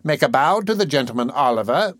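A man's voice: medium pitch, animated, fairly quick, fairly bright tone, no room sound, clean studio sound, voice pushed up, close to an everyday voice. A man voicing a sly, sugary older nurse woman in an audiobook, coaxing and persuasive. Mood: wheedling. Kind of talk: audiobook character voice.

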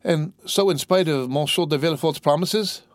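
A man's voice: fairly high pitch, moderate pace, no echo, clean studio sound, pitched above the performer's own voice, close to an everyday voice. A man voicing a desperate young sailor held prisoner, pleading in an earnest, agitated way in a storybook reading. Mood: shocked disbelief.

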